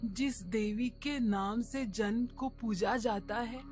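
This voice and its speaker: A woman's voice: a little high, slow. A woman playing a wronged old village healer and midwife in a horror audio story, solemn, pleading yet firm. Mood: wounded defiant. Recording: loud music behind the voice.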